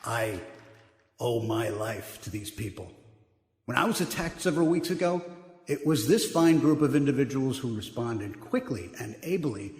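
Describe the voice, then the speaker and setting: A man playing a smooth, self-important senator in an audio drama, speaking in a pompous, formal politician's manner. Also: medium pitch, animated, normal speed, darkish tone, natural voice. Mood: grandstanding. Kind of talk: full-cast audio drama acting, speechmaking. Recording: echoey hall reverb, music behind.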